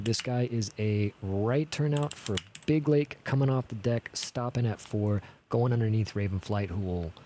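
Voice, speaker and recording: A man with a fairly low voice gives running commentary on an air traffic control game. He thinks aloud in a casual way, mixing controller jargon with everyday talk. There is clear background noise, with typing and clicking behind him. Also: darkish tone. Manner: casual, thinking aloud, swearing now and then. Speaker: streamer playing an air traffic control simulator. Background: keyboard typing and clicks.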